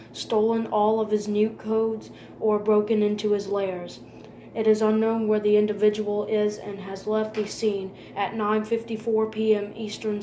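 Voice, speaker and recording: A woman reading a scripted emergency broadcast announcement in a formal, impersonal manner. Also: mid-range voice. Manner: formal, impersonal, flat delivery. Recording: roomy echo with faint background noise.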